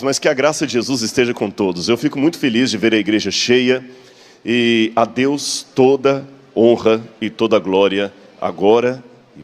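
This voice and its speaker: A man preaching a sermon in a full church, talking conversationally, joking with the congregation and posing rhetorical questions. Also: medium pitch.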